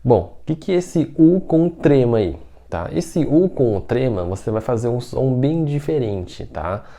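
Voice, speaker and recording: A man's voice: mid-range voice, lively intonation, measured pace, dark tone. A man with a Brazilian Portuguese accent teaching an online Mandarin lesson, patiently repeating words and checking in with his students all the time.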